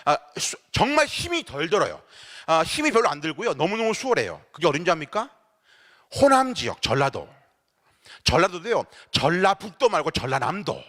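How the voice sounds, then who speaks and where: A man's voice: on the high side, very animated, moderate pace, pushed and bright. A man from Seoul, a pastor leading a church seminar, giving a playful, teasing lecture that keeps addressing the audience directly. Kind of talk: lively humorous seminar lecture. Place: church sanctuary. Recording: long hall reverb in a church.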